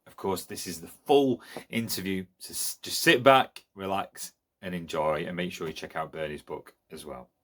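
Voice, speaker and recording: A Lancashire man hosts a casual interview, enthusiastic and generous with praise, though he hesitates with many fillers. His voice is low-pitched and fairly bright, at a normal speed.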